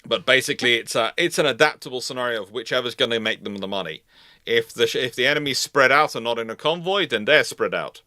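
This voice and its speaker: Guy fielding live questions, bright forceful voice, super dry close sound, rambles and restarts. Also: medium pitch, animated, fast talker, no room sound. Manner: rambling, repeats and restarts phrases mid-sentence. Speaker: host of a live Q&A show. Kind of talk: live audience question-and-answer, explaining naval history.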